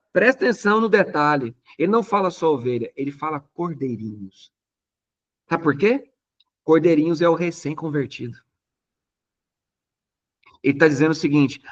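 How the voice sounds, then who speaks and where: A man with a Brazilian Portuguese accent preaching a lively, conversational sermon. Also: fairly high pitch, dull audio. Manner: animated, emphatic, conversational preaching. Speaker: pastor.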